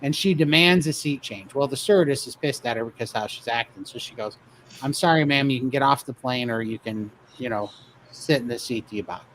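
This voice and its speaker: A man's voice: medium pitch, a little fast, fairly bright tone, slight background noise, poor audio. A man casually telling a funny story about himself, laughing often as he goes. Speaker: guest telling his weight-loss story.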